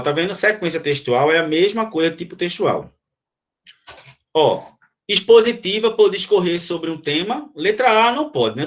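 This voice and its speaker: A male teacher lecturing to students, often pausing to ask if they follow and explaining with quick examples. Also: high voice. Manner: frequent checking questions to students. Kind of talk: classroom lecture.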